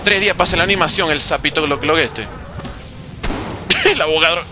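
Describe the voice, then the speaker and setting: A man's voice: on the high side, moderate pace, background noise. A young Venezuelan man with a Venezuelan accent, chatting casually and joking with viewers while streaming a zombie game. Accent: Venezuelan Spanish. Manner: chatty, joking, reads and answers viewer chat. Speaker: gaming streamer. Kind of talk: casual live commentary while playing. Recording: game music underneath.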